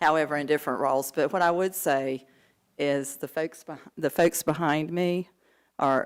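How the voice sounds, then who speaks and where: A soft-spoken woman talks at a moderate pace with a very deep, low pitch and fairly even intonation. The recording is very clean with a silent background. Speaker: retiring library director. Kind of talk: acceptance speech. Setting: city council meeting.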